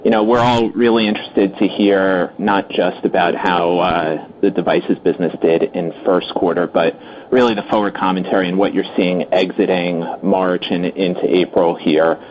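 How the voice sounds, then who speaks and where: A male analyst with a low-pitched voice puts questions on an earnings call. He is conversational and hesitant, easing his way into each question. A faint noise sits on the line. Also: fairly even intonation, moderate pace, lo-fi sound. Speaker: financial analyst asking questions.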